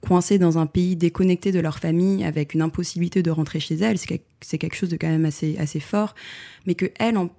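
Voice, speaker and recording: A woman photographer answering interview questions in a reflective way, pausing often with fillers and restarting her sentences. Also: on the low side, fairly even intonation, creaky, warm tone. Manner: hesitant, many fillers and restarts.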